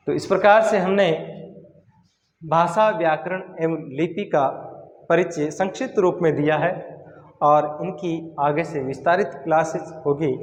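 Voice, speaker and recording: A male Hindi grammar teacher giving a lesson, speaking slowly and deliberately and repeating sounds and words for pronunciation practice. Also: fairly high pitch, darkish tone. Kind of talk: classroom-style grammar lesson. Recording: echoey room with long reverb.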